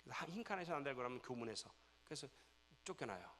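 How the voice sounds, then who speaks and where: A pastor in his forties preaching a sermon, telling a personal story and acting out the dialogue, dropping to a hush and then rising loud. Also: mid-range voice, very animated, rapid-fire, a little hiss or hum. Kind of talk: sermon testimony. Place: church.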